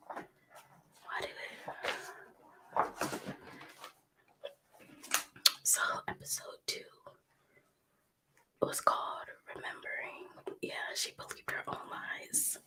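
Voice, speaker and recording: A woman, whispering her commentary on a livestream close to the mic, sniffling from a cold. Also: rough recording. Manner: soft whisper with frequent ums and likes. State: getting over a cold, sniffling. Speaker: ASMR livestream host. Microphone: close ASMR microphone.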